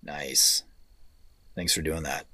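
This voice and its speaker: A man's voice: very deep voice, fairly even intonation, slow pace, bright, forceful tone, no echo, studio quality, full character voice. A man playing a wry, thoughtful tech executive in an audio drama, speaking in an understated, conversational way. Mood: relaxed. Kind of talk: naturalistic audio drama dialogue.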